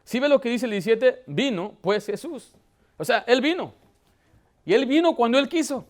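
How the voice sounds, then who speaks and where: A man with a high voice delivers a church sermon as pastor. He often stops to ask the congregation questions, and his delivery swells with emotion as he presses his point. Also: lively intonation, normal speed. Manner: preaching with rising emotion, asking the congregation questions.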